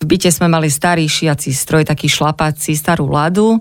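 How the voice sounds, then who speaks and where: On a very clean recording with a silent background, a woman with an unremarkable speaking voice and fairly low pitch talks at a moderate pace. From southern Slovakia, Rimavská Sobota. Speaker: handmade craft artist. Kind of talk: radio interview.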